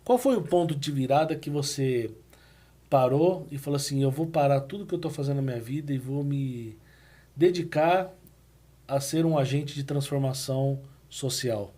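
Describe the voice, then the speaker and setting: A man's voice: mid-range voice, moderate pace, mellow. A Brazilian man hosting a podcast, putting questions to his guest in a conversational style. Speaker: podcast host, interviewer.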